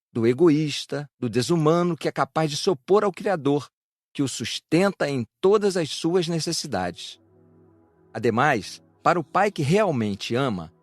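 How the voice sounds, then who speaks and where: Male reader, slightly high voice, declamatory spiritual narration, music bed behind. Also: dry recording. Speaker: audiobook reader of a spiritual lecture. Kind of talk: scripted narration, reflective religious discourse.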